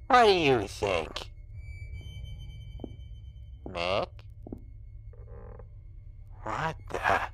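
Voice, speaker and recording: An actor playing a sadistic, vengeful monster in a horror audio drama, with gravelly, mocking menace. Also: mid-range voice, fairly bright tone, exaggerated voice. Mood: slow menace. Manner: menacing, drawn-out, mocking taunts.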